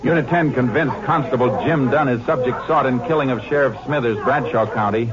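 A man's voice: medium pitch, a little fast, a crowd in the background, natural voice. An actor playing a steely, commanding Texas Ranger lawman in a 1950s radio western drama. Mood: urgent, clipped. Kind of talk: 1950s radio drama acting and first-person narration. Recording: dull vintage 1950 radio recording, music.

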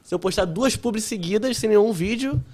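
A man's voice: high voice, a little fast, darkish tone. A young man with a Carioca accent, chatting casually as a podcast guest, laughing often and using lots of filler words. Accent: Carioca Portuguese. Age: young adult. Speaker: guest, content creator.

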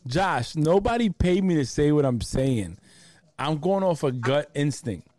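Animated slangy man, dry close sound. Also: on the high side, measured pace, no echo. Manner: animated, slangy, repeats words. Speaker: podcast host. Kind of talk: casual sports chat.

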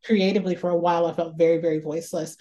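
A woman author from Northeast Ohio talks through her ideas in an interview. Her voice sits a little low and sounds mellow and relaxed. She thinks aloud, often repeating a word before going on. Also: racing. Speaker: author guest. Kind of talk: reflective interview conversation.

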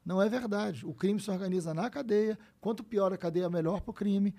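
A man, telling stories as a guest in a casual conversation, animated and full of swearing. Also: sits high, normal speed, gravelly. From Brazil. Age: 50s. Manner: animated storyteller, frequent swearing and "né?" tags.

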